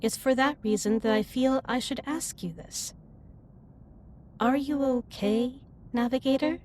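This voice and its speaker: A woman performs a female alien starship captain with a fairly high voice. She speaks formally and precisely, with earnest care, in an intimate sci-fi audio drama. There is clear ambient noise behind her. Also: a little mellow. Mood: caring, concerned. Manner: formal, precise, stilted wording with measured delivery. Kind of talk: scripted roleplay audio drama, intimate one-sided dialogue.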